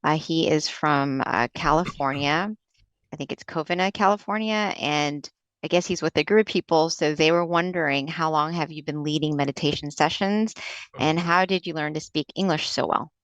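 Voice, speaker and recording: A soft-spoken woman with a low voice reads out questions, polite and hesitant, with many ums. She speaks from a room over a video call. The sound is dry and close. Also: moderate pace, no room sound, low-quality recording. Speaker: moderator reading viewer questions. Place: room indoors.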